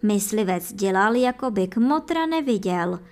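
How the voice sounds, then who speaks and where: A woman reading a folk fairy tale aloud for children and adults, telling it in a lively, expressive way. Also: mid-range voice. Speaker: storyteller.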